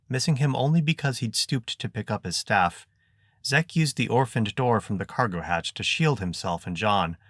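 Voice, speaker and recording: Low-voiced man reading a story. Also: a bit bright, dry recording, studio quality. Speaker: narrator. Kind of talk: audiobook narration.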